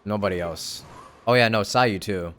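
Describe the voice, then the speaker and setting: Game music plays behind a man who chats casually on his livestream as he plays a video game. This streamer's voice is on the low side and a bit bright, and he speaks at a moderate pace.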